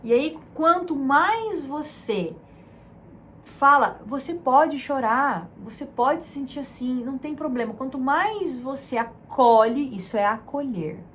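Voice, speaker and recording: A woman from Brazil hosting a self-help talk, speaking in a soft, soothing, emotive way that repeats words. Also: high-pitched, expressive, slow, a little hiss or hum. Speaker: self-help channel host. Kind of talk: gentle motivational talk.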